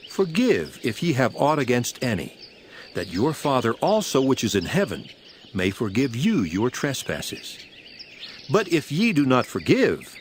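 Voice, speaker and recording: An actor playing Jesus as a calm, authoritative teacher in a dramatized Bible audio drama, speaking solemnly and deliberately. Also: male voice, medium pitch, a little hiss or hum. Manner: solemn, deliberate, commanding delivery of archaic speech.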